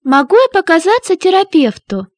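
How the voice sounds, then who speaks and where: A woman reads brief translated phrases in a language course, clearly and evenly. Her voice is high and lively in pitch. The recording is dry and close. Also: fairly quick, dry recording. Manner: clear, even reading of short phrases. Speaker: Russian translation reader. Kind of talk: reading Russian translations in a course.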